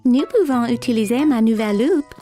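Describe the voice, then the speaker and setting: A woman's voice: fairly high pitch, animated, normal speed, mellow, faint music behind, natural voice. A woman voicing an inventive, playful little girl in a children's cartoon dub, with an eager way of talking. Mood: curious, helpful.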